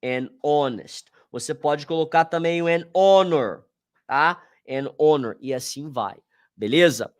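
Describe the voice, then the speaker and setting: A man's voice: fairly high pitch, unhurried. A man with a Brazilian Portuguese accent teaching an online exam review lesson, casual and slangy, talking straight to his students.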